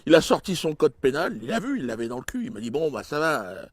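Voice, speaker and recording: A man performing a stand-up comedy routine in a crude, mocking way, jumping suddenly in pitch and loudness. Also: sing-song, fast, no room sound.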